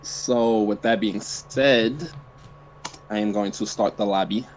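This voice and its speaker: A man coaching a fighting-game player in a casual online session, talking in a relaxed way with lots of fillers while chewing mints. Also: fairly low pitch, takes it slowly, slight background noise, low-quality recording. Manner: relaxed, filler-heavy talk.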